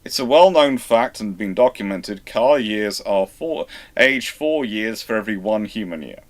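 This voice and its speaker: A British man hosting a live question-and-answer stream on naval history, chatting casually and teasing a co-host, with loud animated bursts of emphasis. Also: on the low side, moderate pace. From Britain. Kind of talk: live Q&A chat.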